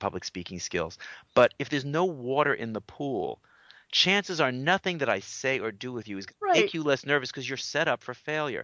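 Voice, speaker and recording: A man speaks at a medium pitch with a New York accent. His pitch swings very widely, and his pace is fairly quick. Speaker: public speaking coach and improv trainer. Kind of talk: interview. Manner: fast talker.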